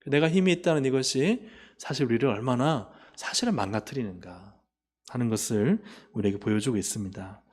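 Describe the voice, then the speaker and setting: A man preaching a sermon as pastor. He asks the congregation questions and answers them himself, and he moves between emphatic rises and quiet, low endings. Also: fairly quick, slightly rough. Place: church sanctuary. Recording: long hall reverb.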